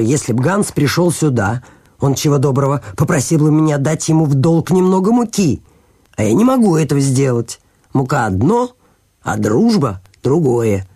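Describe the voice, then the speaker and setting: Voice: medium pitch, a little mellow, breathy edge. A reader voicing a pompous, preachy old miller. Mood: lecturing. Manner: preachy, lofty moralizing. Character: pompous self-satisfied old male miller. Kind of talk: audiobook character reading.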